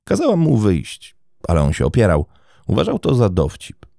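A man's voice: fairly low pitch, wildly swooping pitch, normal speed, gravelly, warm tone, no echo, studio quality, voice pushed up, exaggerated voice. A man reading the lines of a disappointed woman in her fifties in a weary, bitter tone.

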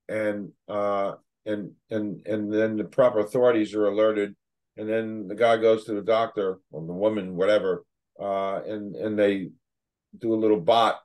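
Low-pitched older man, rambling host. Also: a little mellow. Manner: rambling, emphatic, repeats words for emphasis. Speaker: show host. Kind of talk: casual interview chat. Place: home office on a video call.

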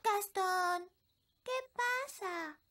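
Little fairy princess for cartoon: eager, childlike, very slow-paced and squeaky high, Latin American Spanish. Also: female voice, very noisy, exaggerated voice. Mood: concerned. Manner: exclamatory, sweet, childlike. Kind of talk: animated cartoon dub. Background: music.

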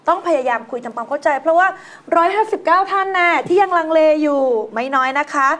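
Woman, high-pitched, news talk host, relaxed chatty commentary. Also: quick pace. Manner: reads news items then banters in a relaxed, conversational way.

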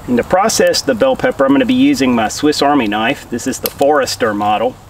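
A bushcraft host in his forties, relaxed and working with his hands, casually explains what he's doing in a forest camp. His mid-range voice runs a little fast. He's recorded from a camera a few feet away, sounding slightly distant with faint outdoor noise.

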